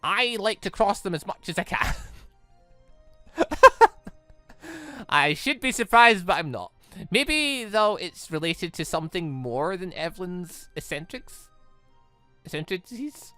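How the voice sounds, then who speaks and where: An excitable game streamer doing a let's play, exclaiming and stumbling while reading visual novel text aloud, with off-the-cuff commentary. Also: mid-range voice, a little slow, pauses often, no room sound. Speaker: gaming channel host. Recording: music playing under the voice. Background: background music.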